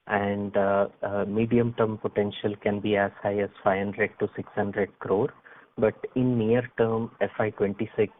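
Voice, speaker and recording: A man with an Indian accent asking questions as an analyst on an earnings call, polite and a little hesitant. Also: on the low side. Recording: phone-like conference call line.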